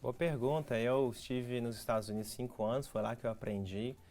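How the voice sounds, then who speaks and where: A man's voice: mid-range voice, steady tone, brisk, a little mellow. A Brazilian man speaks with a Brazilian Portuguese accent in a middle-range voice. He explains things patiently and step by step, like a teacher giving practical tips. He is a guest in a TV studio interview.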